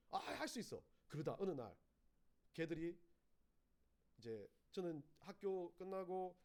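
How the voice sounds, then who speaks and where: A man's voice: sits high, dark tone. A male pastor preaching a sermon, telling a personal story and acting out the voices of the people in it.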